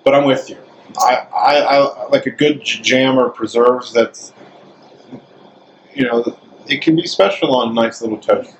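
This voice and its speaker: A man with a deep, bassy voice from the American South hosts a casual interview, rambling playfully from one story to the next. His pitch sits in the ordinary middle range. A faint hum of background noise runs under the talk. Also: unhurried, pauses often, dull audio. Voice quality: deep bass voice. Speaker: interview host. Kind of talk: casual chat.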